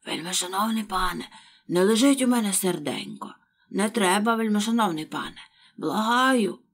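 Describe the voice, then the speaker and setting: A woman voicing Pat, a simple, timid male servant who answers humbly and pleads, in a husky voice. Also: medium pitch, normal speed, lightly acted. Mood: pleading.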